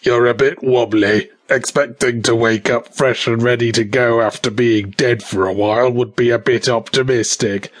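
A man voicing a friendly male zombie with a gravelly, rough voice, speaking in an easygoing, matter-of-fact way. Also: mid-range voice, fairly even intonation, moderate pace, hardly any pauses, close to an everyday voice.

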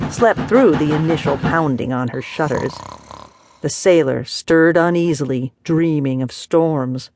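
A woman narrating a novel as an audiobook, measured and expressive. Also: low-pitched, slight background noise. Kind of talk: scripted narration.

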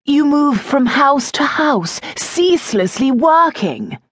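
A woman's voice: high-pitched, big pitch swings, takes it slowly, a bit bright, dry recording, clean studio sound, voice pushed up, full character voice. A woman voicing a lovesick young lord with earnest, insistent pleading.

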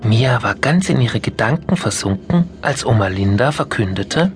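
A man narrating a children's Christmas story in an expressive storytelling manner. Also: mid-range voice, normal speed, a little hiss or hum. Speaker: audiobook narrator.

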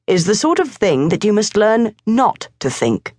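A woman voicing a stern, calmly reasoning middle-aged father in a storybook reading. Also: medium pitch, no room sound, clean studio sound, pitched above the performer's own voice. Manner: measured, stern. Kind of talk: audiobook character voice.

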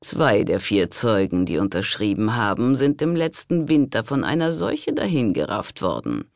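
A man reading an audiobook, voicing a sly, scheming monk who speaks in a slow, soothing, conspiratorial way. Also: lowish voice, sing-song, vocal fry, no echo, studio quality.

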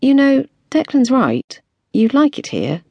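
A woman narrator voicing a calm, kindly young woman friend, measured and unhurried. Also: high-pitched, gravelly, dry recording, dull audio, pitched above the performer's own voice, full character voice.

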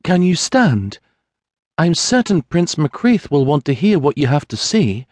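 A man doing a soft-spoken young noblewoman. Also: a little high, very animated, a little slow, dry recording, voice pushed up. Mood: gentle. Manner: soft and gentle. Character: kind, composed young noblewoman.

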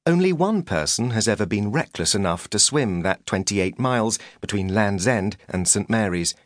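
Low-pitched man narrating, close and dry. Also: expressive, moderate pace, no room sound. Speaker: audiobook narrator. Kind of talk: scripted narration of a humorous memoir.

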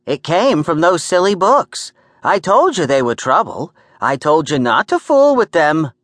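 A man voicing a bossy, exasperated aging woman with a sharp New York accent in an audiobook. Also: on the high side, big pitch swings, a little slow, dry recording, voice pushed up. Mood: scolding. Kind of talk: audiobook character acting.

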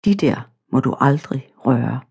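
A woman reading a storybook, voicing God as a patient, gently firm father figure. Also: a bass voice, lively intonation, gravelly, breathy edge, pitched below the performer's own voice, exaggerated voice. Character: calm fatherly male God.

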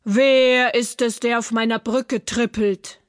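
A woman voicing a big, hideous male troll under a bridge, calling out slowly and loudly with threats. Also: a little high, fairly even intonation, no room sound, studio quality. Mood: menacing. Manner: slow, loud, threatening calls.

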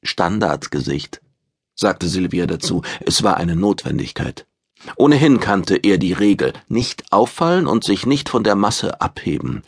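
A man reading a science fiction audiobook in steady, measured narration. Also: on the low side, husky, no room sound, clean studio sound.

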